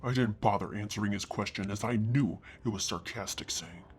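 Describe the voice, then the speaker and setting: Husky male storyteller. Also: lowish voice, a little fast, faint music behind. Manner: earnest reading that rises sharply into shouted anger for the hero's lines. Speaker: story reader. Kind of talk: first-person narration of a fan story.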